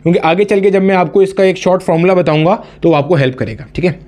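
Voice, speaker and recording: A man's voice: sits high, quick pace, a little mellow. A man teaches a physics exam-prep lecture. He explains each step, asks the class questions and answers them himself. He calls his students "beta" in a familiar, fatherly way.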